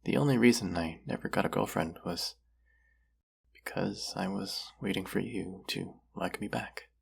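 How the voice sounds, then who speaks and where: Man acting a husky, very gravelly young romantic crush. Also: exaggerated voice. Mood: tender, confessing. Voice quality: husky, breathy, gravelly low voice. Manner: slow, hushed, teasing, trailing pauses. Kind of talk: intimate romantic audio roleplay.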